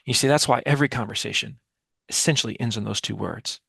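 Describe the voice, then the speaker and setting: On a video call through a headset mic, an interview guest in his forties, a communication expert and author, speaks fast in a medium-pitched, creaky, fairly bright voice that is slightly rough. The recording is dry. He explains ideas emphatically with many rhetorical questions and acts out example dialogue.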